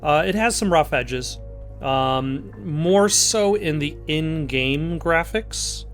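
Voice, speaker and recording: Higher-pitched man doing casual game commentary. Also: expressive, a bit bright. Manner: halting, thinking aloud. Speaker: let's play host. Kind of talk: casual, improvised gameplay commentary. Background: music.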